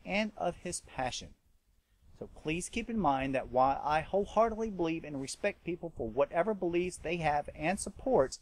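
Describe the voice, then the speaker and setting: A man hosting an interview show, reading a measured scripted introduction and then questioning a guest. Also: on the high side. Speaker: host.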